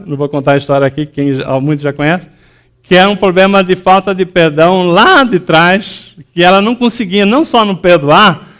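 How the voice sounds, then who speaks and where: A man with a high voice preaches a sermon in a church. He talks loosely, with many fillers and restarts, and he acts out the words of the people in his stories. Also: fairly bright tone, smooth. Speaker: pastor.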